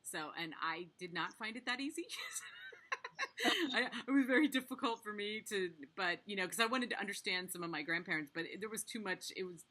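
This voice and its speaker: A woman's voice: medium pitch, a little fast, pushed and bright. An American woman hosting a podcast interview, chatty and friendly as she asks questions and shares small asides. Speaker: podcast host. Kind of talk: casual interview chat.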